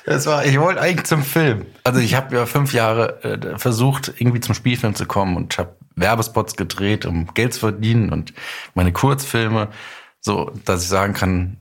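A man's voice: fairly low pitch, normal speed, creaky, breathy edge. A middle-aged man telling career anecdotes in a casual interview, acting out bits of quoted dialogue as he goes. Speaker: guest, audio drama writer and director.

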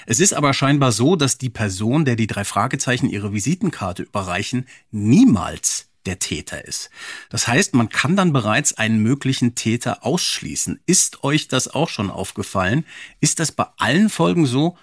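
A man with a medium-pitched voice co-hosts a podcast in a casual, conversational style. The recording is dry and close, with very little room sound. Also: big pitch swings, moderate pace, breathy edge, no echo. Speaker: podcast co-host.

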